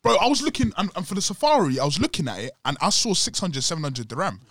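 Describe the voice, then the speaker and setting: A man's voice: high voice, very animated, fast talker, a bit bright, dry recording, clean studio sound. A young man with a London accent, chatting casually in roadman slang. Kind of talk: casual chat.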